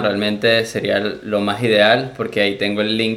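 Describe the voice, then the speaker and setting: Audible room echo hangs around speech delivered at a fairly slow pace. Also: man. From Venezuela, San Cristóbal. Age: 20s. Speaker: rapper. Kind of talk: casual chat.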